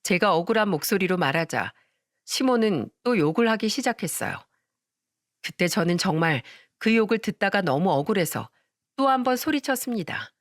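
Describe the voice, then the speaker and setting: A woman's voice: medium pitch, sing-song, normal speed, no echo, studio quality. A woman narrating a scripted family drama story in a confiding, indignant way.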